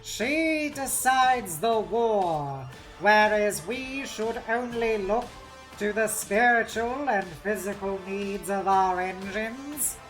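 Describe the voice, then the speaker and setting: An unctuous cyborg tech-priest, played by a woman reading a novel aloud, speaks very slowly and with false courtesy. He sounds smooth and patronizing, over music. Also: medium pitch, lively intonation, poor audio. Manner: unctuous, slow, politely condescending. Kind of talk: dramatic novel read-aloud.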